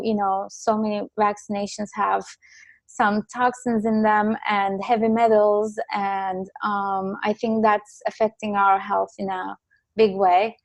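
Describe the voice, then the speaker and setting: A woman's voice: medium pitch, no echo. A young adult woman from Turkey, talking hesitantly as a guest in a casual interview, with many ums and restarts.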